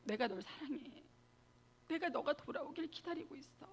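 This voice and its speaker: A woman voicing a tender, grieving Lord who gently pleads for someone to come back, speaking softly. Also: on the high side, sing-song, fast, gravelly, slight background noise, heavily acted. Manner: soft and hushed.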